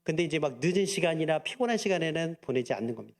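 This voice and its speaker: Male pastor, high-pitched, lively sermon delivery with questions to the congregation. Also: rapid-fire. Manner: lively, asks the congregation questions and acts out quotes.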